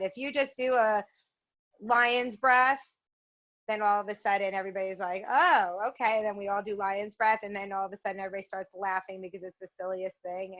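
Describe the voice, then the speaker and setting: A woman's voice: mid-range voice, fairly bright tone, dull audio. A middle-aged woman, a yoga and mindfulness teacher, guiding a virtual course in a chatty way with fillers. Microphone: video call.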